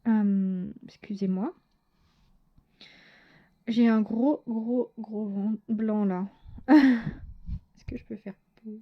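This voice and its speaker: Speaking very slowly with long pauses, a tarot reader with a fairly high, steady voice hesitates through a casual reading for viewers. She uses lots of fillers and corrects herself often, over dull audio.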